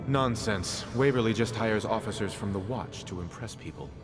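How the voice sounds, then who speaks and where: A man's voice: fairly low pitch, moderate pace, over music, close to an everyday voice. A man playing a cynical aristocratic party guest in a video game, dry and disdainful. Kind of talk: video game character dialogue.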